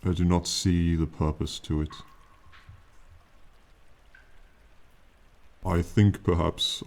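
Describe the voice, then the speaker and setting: An ancient, proud dragon speaks , played by a man, in a very deep, dark voice with little rise or fall. The manner is solemn and condescending, with archaic phrasing suited to a fantasy ASMR roleplay. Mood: pensive. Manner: slow, solemn, archaic, condescending speech to a mortal. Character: ancient, proud, aloof male dragon companion. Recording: faint rain noise behind. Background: rainfall ambience.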